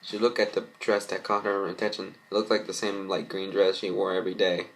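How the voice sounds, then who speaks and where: A man's voice: deep voice, flat delivery, brisk, gravelly, a little hiss or hum, rough recording. A man reading a cartoon fan story aloud as an amateur narrator, stumbling now and then over his words. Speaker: fan fiction reader.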